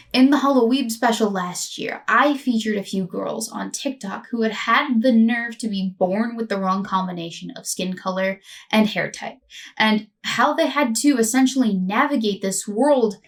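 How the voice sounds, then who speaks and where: A woman's voice: a little high, distant mic. A woman host narrating a scripted commentary video with a sardonic, mocking edge.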